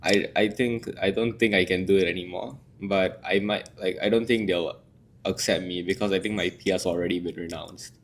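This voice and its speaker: A man's voice: low-pitched, fairly even intonation, normal speed. A seventeen-year-old young man from Singapore with a strong Singaporean accent, giving plain, brief answers as an interview guest. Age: late teens.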